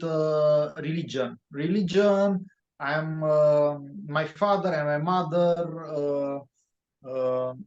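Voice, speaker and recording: A man with a Romanian accent speaks slowly and haltingly, stopping often on fillers as he works through his English. His voice sits a little high. The sound is dull and lo-fi, and it carries the echo of a roomy space. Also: darkish tone. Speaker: guest author. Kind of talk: interview answers.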